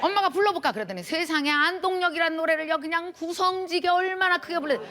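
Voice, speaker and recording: A middle-aged woman lecturer telling a personal story to an audience in a lively, heartfelt, colloquial way. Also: very high-pitched, quick pace, some chatter behind.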